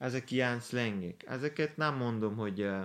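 A man talks against a quiet background. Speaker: language teacher podcaster. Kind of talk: tutorial. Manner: careful clear enunciation.

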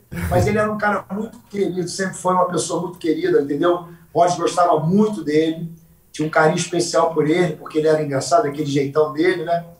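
Very fast, fairly even speech from a man with a high-pitched voice, over noticeable background noise. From Brazil, Rio de Janeiro suburb. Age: 60s. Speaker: jiu-jitsu master and fitness coach. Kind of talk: interview, casual chat.

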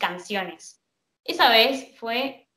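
A woman with a Cuyo Argentine accent speaks in a bright, sharp tone, with audible room echo. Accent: Argentine Spanish (Cuyo, Mendoza). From Argentina, Mendoza. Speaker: singer-songwriter. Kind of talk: interview.

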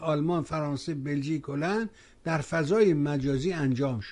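A man speaks against a quiet background. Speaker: TV talk show host. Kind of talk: political commentary monologue. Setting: TV studio. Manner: animated.

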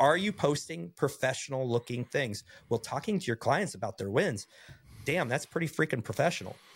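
A man talks at a fairly quick pace and medium pitch, somewhat breathy, with very wide pitch swings. The recording is very clean, silent in the background, and dry and close with no echo. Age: 50s. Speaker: business owner and entrepreneur. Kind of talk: casual chat.

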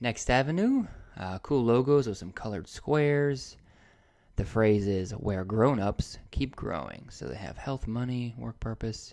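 A man with an American accent, a plain, everyday voice, medium pitch, fairly slow pace and ordinary pitch variation, in a very clean recording with a silent background. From Indiana, US Midwest. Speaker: fitness podcast host. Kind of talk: solo commentary reading a news article. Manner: casual with frequent fillers.

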